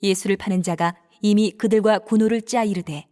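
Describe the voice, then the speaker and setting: A woman narrating scripture for an audio Bible drama, telling the story in a steady, even way. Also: medium pitch, fairly quick.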